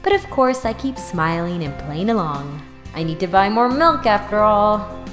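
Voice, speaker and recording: A woman's voice: medium pitch, animated, normal speed, a bit bright, long reverb tail, faint music behind, close to an everyday voice. A woman playing a weary, sarcastic young student and waitress, narrating her life in a dry, reluctant way in an audio drama. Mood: wry, weary. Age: young adult. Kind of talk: first-person audio drama narration and dialogue.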